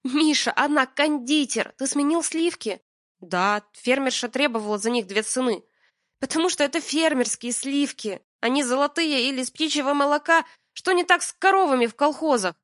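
A woman voicing a furious young woman who owns a restaurant, with a voice that turns shrill when she shouts. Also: animated, fast, few pauses, no room sound, clean studio sound.

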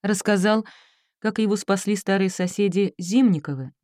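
A woman's voice: mid-range voice, normal speed, a little mellow, no room sound, clean studio sound. A woman reading a novel aloud as an audiobook narrator, voicing the characters' dialogue herself. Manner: reads all characters' dialogue herself with small shifts. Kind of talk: scripted narration.

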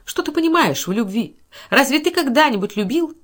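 A furious, wounded wife, played by a woman reading a novel aloud. Her voice climbs high and goes shrill and bitter as her anger grows. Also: expressive, quick pace.

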